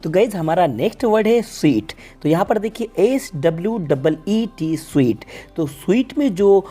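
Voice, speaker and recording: A man's voice: high-pitched, expressive, moderate pace, mellow, faint music behind. A man teaching a video lesson, patiently repeating each point and calling his listeners "guys". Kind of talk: classroom-style video lesson.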